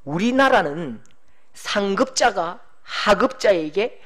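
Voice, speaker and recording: A middle-aged pastor preaching a sermon, animated, acting out quoted voices and shouting for emphasis. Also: male voice, high-pitched, takes it slowly.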